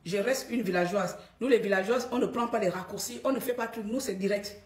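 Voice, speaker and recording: A woman's voice: medium pitch, brisk, roomy sound. A middle-aged woman from Gabon with a Cameroonian accent, scolding her followers bluntly in a live stream.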